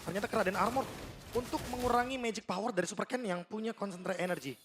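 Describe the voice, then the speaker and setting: A man's voice: sits high, quick pace, a bit bright. An Indonesian man giving live analytical commentary on an esports match. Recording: broadcast with music behind.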